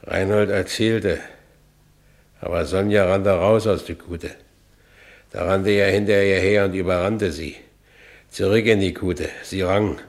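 Deep voiced berlin working guy, haunted and bitter, telling his story in a radio play. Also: fairly even intonation, measured pace, long pauses. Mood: troubled, bleak. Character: haunted working-class Berlin man, bitterly recounting his lover's murder. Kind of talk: radio drama first-person narration.

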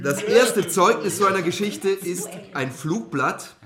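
An actor playing an environmental activist who lectures youth campers, explaining things in a wry, opinionated way. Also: male voice, sits high, lively intonation, measured pace, echoey room, crowd noise. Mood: wry, explanatory. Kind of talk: radio crime drama, lecture to a group.

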